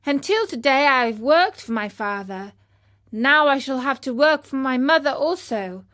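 Storybook puppet boy, high and breathless, eager and earnest, as a woman reads him out. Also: animated, fairly bright tone. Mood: distressed. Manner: breathless, pleading, rapid questions.

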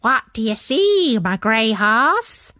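A woman's voice: on the high side, big pitch swings, slow pace, sharp tone, no echo, clean studio sound, heavily acted. A woman voicing a curious male cockerel, one of the animal musicians in a storybook. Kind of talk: storybook character voice.

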